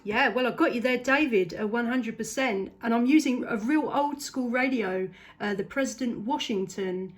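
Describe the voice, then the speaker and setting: Higher-voiced woman on CB radio. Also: normal speed, few pauses. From southeast England. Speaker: CB radio operator. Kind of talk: casual radio contact chat. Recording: CB radio session with clear static noise. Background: radio static.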